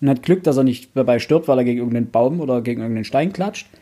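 A man's voice: mid-range voice, racing, dark tone. A man co-hosting a podcast in a casual book discussion, colloquial and blunt, now and then mildly crude. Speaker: podcast co-host.

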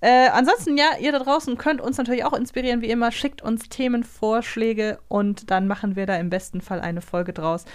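A woman's voice: on the high side, fairly quick, few pauses, clear, resonant tone. A woman co-hosting a podcast, chatting casually about audio dramas. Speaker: podcast co-host.

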